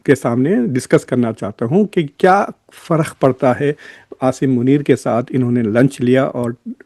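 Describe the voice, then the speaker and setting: An Indian-accented man with a soft, mellow voice hosts an informal political commentary. He speaks straight to his viewers at a middle pitch, moving back and forth between Hindi and English. The sound is close and dry. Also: normal speed, no echo.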